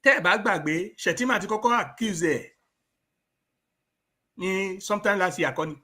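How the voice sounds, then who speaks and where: Sharp in tone and high-pitched, this man talks at normal speed. He appears as a guest on a political talk show, a Nigerian with a Yoruba accent who speaks emphatically and switches between Yoruba and English.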